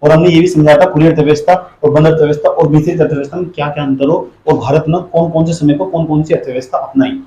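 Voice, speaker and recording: Guy teaching a class, keeps asking questions and telling kids to shush, kinda high voice, roomy echo. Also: fairly even intonation, fast, few pauses, mellow, muffled recording, slight background noise. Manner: scolding, quizzing the class. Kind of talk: classroom lecture. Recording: echoey classroom.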